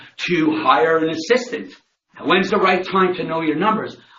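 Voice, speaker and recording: A man talks with a high pitch and ordinary pitch variation at a moderate pace. There is audible room echo. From Quebec, Montreal. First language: not English (English is third language). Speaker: house flipper and business instructor. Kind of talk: motivational talk to audience. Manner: loud; animated.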